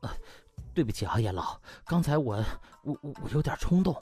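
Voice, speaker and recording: A man's voice: on the high side, sing-song, a little fast, dark tone. A man voicing a pompous, hot-tempered rival doctor in an audiobook. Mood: flustered apologetic. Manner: pompous, blustering, obsequious to superiors. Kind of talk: audiobook character acting. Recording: music behind the voice.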